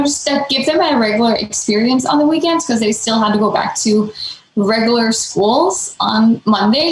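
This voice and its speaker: A woman, telling her story as a podcast guest in a casual way, with lots of "um" and "like". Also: mid-range voice. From Denmark. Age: late 20s. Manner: fluent, many fillers like "um" and "like". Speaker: guest, nonprofit founder. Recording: echoey room.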